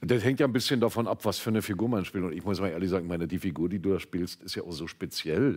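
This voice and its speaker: Here a man speaks with a very deep, low pitch and ordinary pitch variation. The background is quiet. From eastern Germany. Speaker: actor. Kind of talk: talk show interview. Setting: TV studio. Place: studio.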